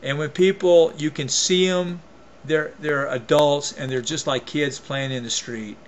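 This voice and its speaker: Emphatic ranting man, slightly high voice. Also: fairly even intonation, a little slow, a little hiss or hum. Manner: emphatic, repeats and restarts phrases, folksy. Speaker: vlogger. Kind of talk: opinion rant to camera.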